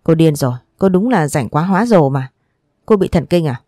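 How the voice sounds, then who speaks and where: Reader voicing a harsh scolding young husband, mellow tone, dry sound. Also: mid-range voice, expressive, normal speed, no echo, soft background music, natural voice. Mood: contemptuous. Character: stern, angry young husband of a rich household.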